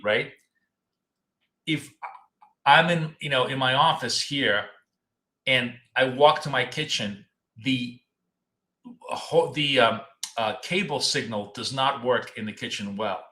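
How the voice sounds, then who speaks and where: Streaming live trades from a home office in his city apartment, this American host talks in a loose, chatty manner and often repeats words while his voice gives out. He speaks at a medium pitch and a measured pace with long pauses. His tone is bright and forceful, and the sound is roomy.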